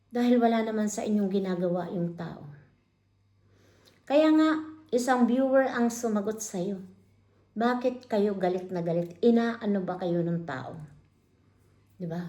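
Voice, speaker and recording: A woman's voice: mid-range voice, warm tone, reverberant. A woman hosting online commentary, calling out a critic with pointed repeated questions. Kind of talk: confrontational live commentary.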